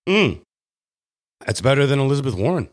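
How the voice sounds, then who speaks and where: A man co-hosting a podcast in casual banter, blunt, jokey and quick to swear. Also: medium pitch, very animated. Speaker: podcast co-host.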